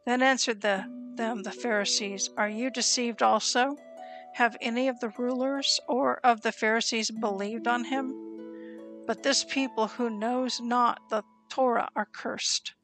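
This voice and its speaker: Woman with a gravelly voice reading scripture. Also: fairly high pitch, low-quality recording. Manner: solemn, even reading pace with deliberate pauses. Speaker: scripture reader. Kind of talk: slow, measured scripture reading. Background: soft instrumental music.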